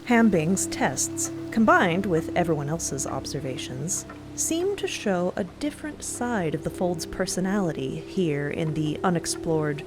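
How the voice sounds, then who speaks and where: Expressive woman narrating fiction over music. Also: fairly low pitch, a little slow.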